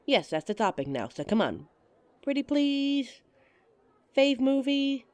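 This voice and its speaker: A woman's voice: high voice, big pitch swings, unhurried, no echo. A woman performing a scripted roleplay monologue to a listener, playful and giggly, with a teasing manner.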